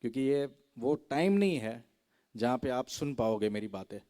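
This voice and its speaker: A man's voice: medium pitch, expressive, moderate pace, warm tone. A man giving a chatty testimony to a youth gathering, telling his story and often checking in with his listeners. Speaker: guest speaker sharing a testimony.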